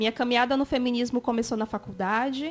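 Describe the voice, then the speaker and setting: Her voice is high in pitch, and the woman keeps her intonation fairly even. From Brazil, Amazonas (Careiro Castanho). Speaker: podcast co-host, feminist activist. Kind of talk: podcast self-introduction.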